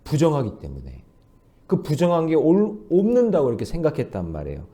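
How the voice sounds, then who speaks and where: A man's voice: on the high side, wildly swooping pitch, brisk, mellow. A man preaching at a dawn prayer service, emphatic and repeating his key phrases as he leads the congregation in reading aloud. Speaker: pastor.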